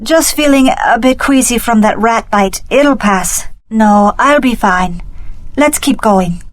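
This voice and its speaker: Video game companion: young woman adventurer, lightly high-pitched, observant and wry, very dry studio sound. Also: slow pace, no echo. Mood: miserable, cold. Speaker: video game character actor.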